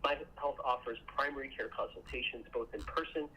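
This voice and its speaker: A man in the role of a company executive reads a scripted earnings presentation in a formal, measured way. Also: medium pitch, sharp tone. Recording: muffled call audio with clear noise.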